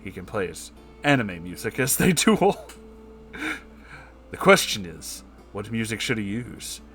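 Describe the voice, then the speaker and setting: A man's voice: lowish voice, very animated, unhurried, fairly bright tone, soft background music. A man narrating a comedic story in a dramatic, theatrical way.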